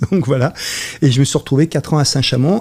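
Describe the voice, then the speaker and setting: A somewhat breathy male voice with a dark, mellow tone. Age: 60s. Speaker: park founder and former school principal. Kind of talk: radio interview. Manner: halting, many fillers.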